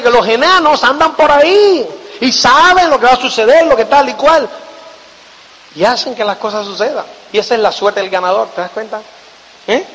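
A man giving a motivational seminar talk, emphatic and lively, who keeps checking in with his listeners through quick tag questions. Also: very high voice. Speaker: motivational speaker. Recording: long hall reverb.

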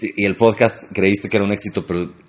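A man's voice: on the low side, fairly even intonation, fast talker. A young Mexican man co-hosting a comedy podcast, teasing and laughing often in casual chat. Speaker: podcast co-host.

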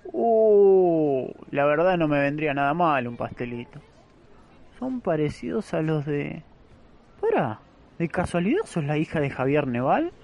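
A man's voice: fairly high pitch, sing-song, measured pace, a little mellow. A man playing a friendly, grateful travelling fairground trader in a radio play, chummy and colloquial, with an Argentine accent. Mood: friendly, surprised.

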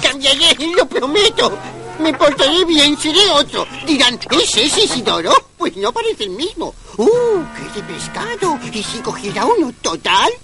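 A man's voice: very high voice, big pitch swings, a little slow, exaggerated voice, low-quality recording. A man voicing a mischievous cat in an overacted cartoon dub, theatrical and melodramatic. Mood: pleading, tempted. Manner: exaggerated, theatrical delivery. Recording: old TV cartoon soundtrack with music.

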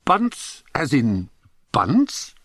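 A man's voice: medium pitch, huge pitch swings, extremely slow, fairly bright tone, no room sound, clean studio sound, pitched above the performer's own voice, full character voice. A man voicing an exasperated, sarcastic, pompous old-school schoolmaster with an English accent in an audiobook. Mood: stunned disbelief.

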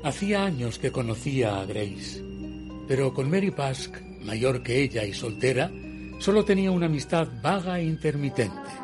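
An actor playing a reflective gentleman who narrates his own eerie tale in a radio drama, in a measured, literary manner. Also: medium pitch, sing-song, music in the background, close to an everyday voice. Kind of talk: scripted first-person radio drama narration.

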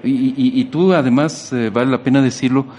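Guy interviewing on radio, mid-pitched voice, kinda halting phrasing, bit of noise in the background. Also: steady tone, warm tone. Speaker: interviewer, host.

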